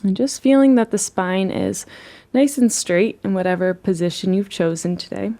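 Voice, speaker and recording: A woman leading a guided relaxation as a meditation teacher, speaking in a soothing, gentle and unhurried way. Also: mid-range voice.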